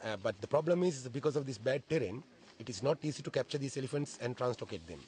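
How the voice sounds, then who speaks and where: A man with a Sri Lankan accent talks very fast, his tone dark and mellow and somewhat breathy. His pitch varies in an ordinary way, and the sound is dry and close with no echo. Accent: Sri Lankan English, moderate to strong. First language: Sinhala. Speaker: wildlife officer, elephant relocation team member. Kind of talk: interview answers in documentary.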